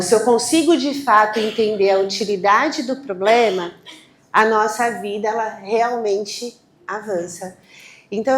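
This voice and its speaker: A woman hosting a live event, talking to the audience in an energetic, quick and restless way. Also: fairly high pitch. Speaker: event host. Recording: echoey room, faint noise.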